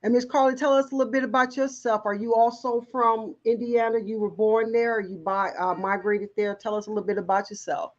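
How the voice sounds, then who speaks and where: A woman's voice: on the high side, fairly even intonation, fairly quick, hardly any pauses, highs cut off. Rambling female interview host. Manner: warm encouraging questions, rambling restarts. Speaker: talk show host. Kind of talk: interview in recovery show.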